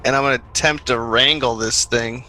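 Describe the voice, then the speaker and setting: A man's voice: medium pitch, fairly even intonation, fairly quick, pushed and bright, rough recording. A man chatting casually as a player in a tabletop game, joking and swearing. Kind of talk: casual chat during a game.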